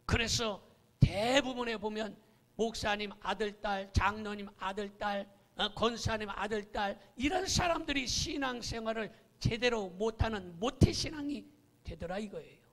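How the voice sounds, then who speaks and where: A man's voice: sits high, moderate pace, a bit bright. A middle-aged man preaching a sermon as pastor, emphatic and acting out the quoted voices.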